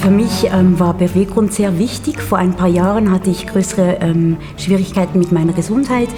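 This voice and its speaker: A woman dancer speaks earnestly and personally in an interview, pausing with small hesitations. Her voice sits somewhat low. Music plays underneath. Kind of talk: interview portrait.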